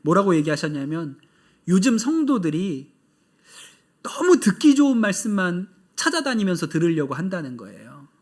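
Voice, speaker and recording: A man's voice: high-pitched, big pitch swings, normal speed, darkish tone. A male pastor delivering a sermon in an earnest, conversational way, repeating key phrases for emphasis.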